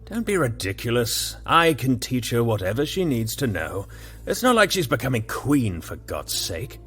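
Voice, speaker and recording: A man narrator voicing a stern, jealous king who speaks quietly and menacingly. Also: medium pitch, very animated, normal speed, slightly rough, soft background music. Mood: cold.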